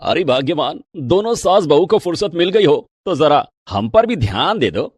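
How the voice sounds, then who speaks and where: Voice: mid-range voice, very animated, normal speed, a little mellow, breathy edge, no room sound, studio quality. A voice actor playing a playful older father-in-law in a cartoon story, calling out for attention. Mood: teasing.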